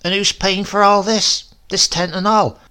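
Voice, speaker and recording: A man's voice: high voice, steady tone, unhurried, bright, forceful tone, clear, resonant tone, voice pushed up. A man reading a storybook aloud and voicing a tart, bossy old grandmother who shrills and scolds. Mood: scolding.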